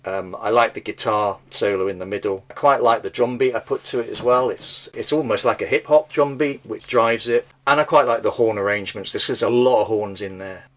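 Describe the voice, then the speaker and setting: A man's voice: fairly low pitch, fairly quick, few pauses, a bit bright. A man hosting a podcast, talking casually and self-deprecatingly about music he has written, in a slightly thin voice. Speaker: podcast host and songwriter.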